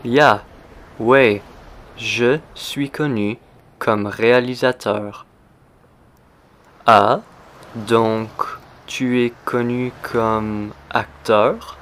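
A man hosting a language lesson, speaking slowly and deliberately and repeating simple phrases for learners. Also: mid-range voice, fairly even intonation, fairly bright tone, slight background noise. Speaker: language teacher. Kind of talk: slow scripted language lesson.

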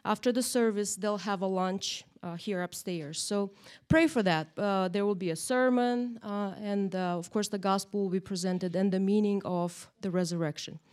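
A woman's voice: medium pitch, moderate pace, hardly any pauses. A woman from Moldova, teaching a church Bible lesson to a group in a chatty way, often adding "right?". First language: Russian or Romanian. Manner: chatty, animated, tag questions. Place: church room, in front of a group.

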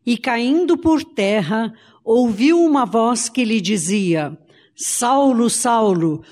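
Slow woman reading scripture. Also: on the high side, big-room sound. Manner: measured, even reading. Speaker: scripture reader.

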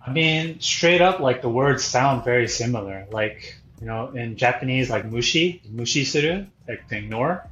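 A man's voice: mid-range voice, expressive, normal speed, hardly any pauses, a bit bright, slight background noise. A man from Korea who moved to the US young, a native Korean speaker, chatting informally as a podcast guest and explaining with examples. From born in Korea, moved to the US young. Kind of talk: casual podcast conversation. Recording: roomy echo, dull lo-fi sound, faint music.

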